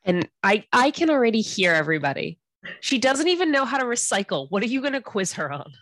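A woman's voice: on the high side, very animated, fast, a bit bright. A woman co-hosting a casual podcast, stuffy from a cold, joking about herself. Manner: self-deprecating, jokey. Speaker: co-host.

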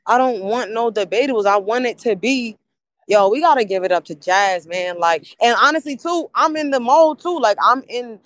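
A woman guest on a casual podcast who talks about her craft with plenty of emphasis, often saying a point twice in a row. Her voice sits a touch high. The sound is dry and close, with no room in it. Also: normal speed, no room sound. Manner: emphatic, repeats phrases to drive a point. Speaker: podcast guest, battle rapper.

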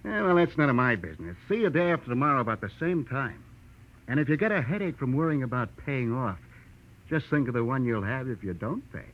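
A man's voice: mid-range voice, very animated, fast, natural voice. An actor playing a menacing, mockingly polite gangster debt collector in 1940s radio style, drawling his threats in a taunting way. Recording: muffled vintage radio recording.

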